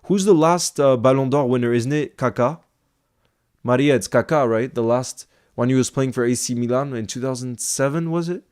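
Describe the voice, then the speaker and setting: A man chats through a live football stream at an ordinary middle pitch, reading comments and answering them as they come. He thinks out loud, circles back to fix his words and keeps an easygoing, conversational flow. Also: normal speed, clean tone. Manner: chatty, thinks aloud with restarts and filler asides.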